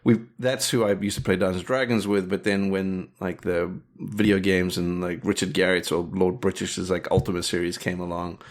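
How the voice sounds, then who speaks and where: Deep-voiced man in a rambling chat. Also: level tone, moderate pace, few pauses. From South Africa. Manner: rambling, many restarts and fillers. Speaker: guest, director and animator. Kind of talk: casual interview chat.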